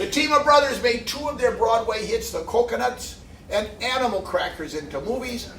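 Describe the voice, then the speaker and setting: The speech has lively intonation, with noticeable background noise and audible room echo. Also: man, extremely high pitch for a man, moderate pace. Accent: American. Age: 70s. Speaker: trivia quiz host. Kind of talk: live trivia quiz with audience. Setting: room with live audience.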